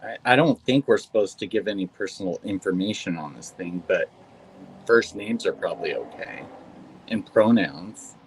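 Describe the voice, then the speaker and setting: A woman's voice: very deep voice, animated, normal speed, slight background noise, rough recording. An actress playing an anxious, apologetic trans woman volunteer helping a caller over a video app, in a hesitant way. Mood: earnest. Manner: hesitant and apologetic, with frequent "I'm sorry". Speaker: volunteer on a visual-help app call. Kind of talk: stage play performed over video call.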